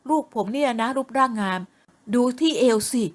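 A woman voicing a fond, doting middle-aged father in an audio novel, speaking slowly. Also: high voice, animated. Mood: teasing.

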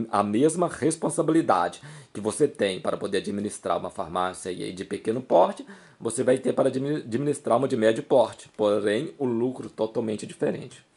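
A man with a Brazilian accent and a medium-pitched voice talks as the host of an advice video. He explains informally through examples, repeating key points with emphasis and often checking in with short tags. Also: darkish tone. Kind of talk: informal instructional talk to camera, explaining with examples.

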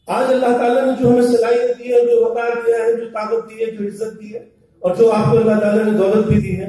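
A man's voice: sits high, dark tone. A middle-aged man giving a fervent, emphatic political speech at a press conference, holding a microphone. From India. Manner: emphatic, fervent, Urdu-flavored oratory. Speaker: party leader at a press conference. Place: crowded indoor hall, people standing around. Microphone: handheld microphone, filmed by far camera. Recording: very echoey hall, voice from far off.

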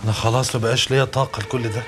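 An actor voices a worn-out captain with an Egyptian Arabic accent, pouring out complaints at a rapid clip. He talks fast and pleads with the people around him. A film score plays underneath. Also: mid-range voice, steady tone, natural voice. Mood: exasperated. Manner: lamenting, pleading, exasperated. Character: weary unlucky male captain, self-pitying. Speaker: film character. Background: film score music.

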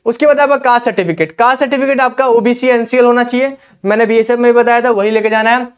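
In a very high-pitched, clean voice at a quick pace, a young man gives a whiteboard lesson to exam candidates in an indoor classroom, recorded on a lapel mic. Instructive in manner, he repeats "ठीक है" ("theek hai") often to check in.

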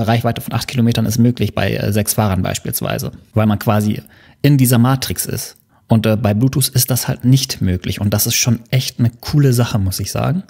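A man hosting his own channel, giving a relaxed, casual product review with plenty of fillers. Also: mid-range voice, creaky, husky. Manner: relaxed, explanatory, with many fillers. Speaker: channel host reviewing motorcycle intercoms.

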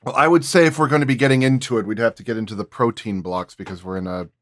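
A man's voice: mid-range voice, fast talker, dry recording. A man speaking as a sound designer on a panel, explaining his craft casually and in thoughtful detail.

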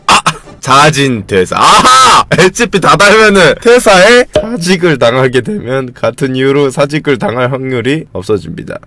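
A young man commenting casually on a game he is playing. He reads the on-screen text in a flat lower voice, then gets excited, yells and swears at the game. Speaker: game streamer.

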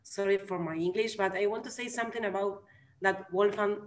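A young Argentine woman with an Argentine Spanish accent speaks earnest English on a video call from a room at home, searching for words as a conference participant. Her mid-range voice is brisk with fairly even intonation, and the room sounds echoey.

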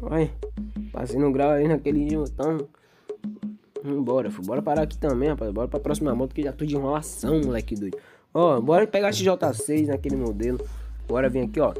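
A young Brazilian man with a Brazilian Portuguese accent casually narrating his gameplay, rambling in street slang and hyping up his viewers. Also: mid-range voice. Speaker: gaming YouTuber. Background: game music.

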